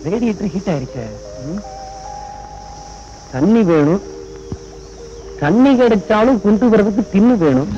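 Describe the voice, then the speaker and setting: A man's voice: sits high, animated, unhurried, pauses often, highs cut off, over music. An actor playing a teasing city man stranded with his car, in 1980s Tamil film comedy. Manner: teasing, cheeky.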